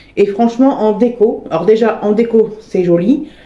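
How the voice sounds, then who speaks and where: A woman speaks with a fairly high pitch and lively intonation. Some room echo can be heard. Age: 30s. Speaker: home vlogger. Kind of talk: casual vlog chat. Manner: hesitant, many filler euh.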